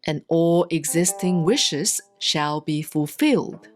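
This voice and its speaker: Woman, lowish voice, very unhurried solemn sutra reading, deliberate pauses, plucked-string music behind. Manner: measured, deliberate phrasing with pauses. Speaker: Buddhist monastic reading scripture. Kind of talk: solemn scripted sutra recitation, audiobook-like reading. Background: soft plucked guitar-like music.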